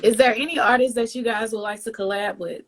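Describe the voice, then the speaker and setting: A woman's voice: a little high, fairly even intonation, quick pace, slight background noise. A woman hosting a live-stream interview, asking questions in an upbeat, giggly way. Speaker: interviewer host.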